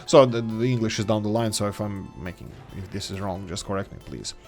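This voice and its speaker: A man hosting a gameplay video who thinks aloud as he plays, speaking English as his third language and often pausing with fillers and restarts. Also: on the low side, a little mellow, faint music behind. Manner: hesitant, many fillers and restarts. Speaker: game let's-play host.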